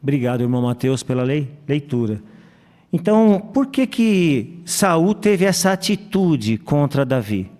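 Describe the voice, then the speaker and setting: A man leading a congregation Bible study who speaks hesitantly, with fillers and pauses. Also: on the high side, big pitch swings, warm tone. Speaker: study conductor. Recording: hall reverb.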